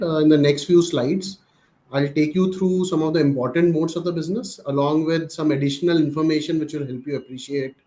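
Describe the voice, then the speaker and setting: A man with an Indian accent giving an explanatory business presentation on an earnings call, often pausing mid-sentence. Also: fairly high pitch, dark tone. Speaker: company executive presenting.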